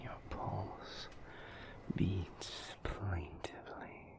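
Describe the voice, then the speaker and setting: A man voicing a tender, seductive vampire lover in an intimate romantic audio roleplay, whispering in a breathy, gravelly voice with slow, lingering phrases. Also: low-pitched, level tone, heavily acted. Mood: sensual, adoring. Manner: slow, lingering, sensual delivery.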